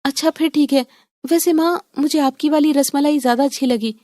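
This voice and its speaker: A woman voicing a cheerful, earnest young married woman in an animated story, her tone bright and pleading. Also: high-pitched, fairly quick, no echo, studio quality, close to an everyday voice.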